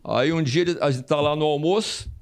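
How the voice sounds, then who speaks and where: An older Brazilian former footballer, a guest in an interview, telling stories casually, repeating phrases and acting out quoted voices. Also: male voice, a little high, fairly quick, smooth.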